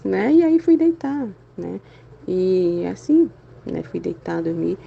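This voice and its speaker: An adult woman giving a casual spiritual talk for a Catholic channel, chatty and animated, sprinkling "né?" through her speech while feeling unwell and weary. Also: lowish voice, takes it slowly, vocal fry, dull audio, slight background noise. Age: adult with a school-age son and husband. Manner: chatty, constant "né?" tags, animated exclamations.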